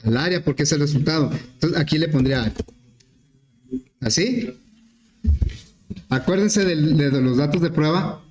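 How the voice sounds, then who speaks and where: A man teaching programming, explaining step by step with questions to the class and often clearing his throat. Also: fairly high pitch, moderate pace, pauses often, a little mellow. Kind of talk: screen-recorded class explanation. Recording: echoey room.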